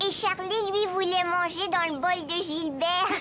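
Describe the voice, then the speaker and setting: High-pitched curious little boy. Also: moderate pace, bright, forceful tone, a little hiss or hum. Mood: agreeable. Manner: simple, childlike questions. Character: curious little boy, four, sweet and eager. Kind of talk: French-dubbed preschool cartoon acting.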